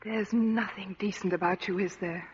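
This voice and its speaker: An actress playing a bitter, sharp-tongued young woman in a 1940s-style radio drama. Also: mid-range voice, fairly even intonation, normal speed, breathy edge. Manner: cutting, bitter. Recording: dull lo-fi old radio recording.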